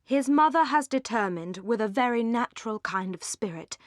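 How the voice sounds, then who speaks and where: Woman voicing a pompous, solemn English gentleman. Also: on the high side, expressive, moderate pace, no echo, studio quality, close to an everyday voice. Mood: pompous, indignant. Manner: pompous, solemn, long-winded. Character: pompous, solemn, self-satisfied gentleman brother. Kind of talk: audiobook character dialogue.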